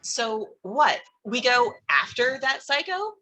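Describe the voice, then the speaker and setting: Woman playing a bright, husky, exasperated teenage skeptic. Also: a little high, sing-song, slow pace, no room sound, heavily acted. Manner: sarcastic, blunt. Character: Vicky, skeptical, exasperated, sharp-tongued teenage girl. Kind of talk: table read of a horror comedy film script.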